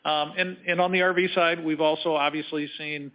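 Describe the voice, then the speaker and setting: A man speaking as a company executive on an earnings call, answering in measured, halting corporate phrasing. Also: fairly high pitch, level tone. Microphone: conference call line. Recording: slightly dull conference call audio.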